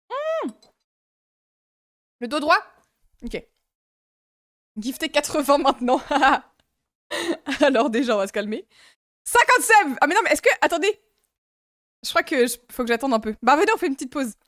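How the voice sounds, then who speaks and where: In a casual live-stream chat, a young woman from France giggles and talks loosely with viewers, repeatedly interrupting herself to laugh and react. The recording of her high, bright voice is dry and close, with no surrounding room.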